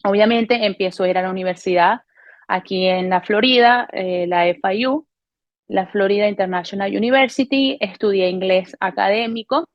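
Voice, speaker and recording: A woman in her thirties from Venezuela gives a personal faith testimony to camera, in an earnest, unhurried way with frequent hesitations and self-corrections. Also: mid-range voice, no echo, dull audio. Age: 30s. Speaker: testimony speaker. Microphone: camera recording.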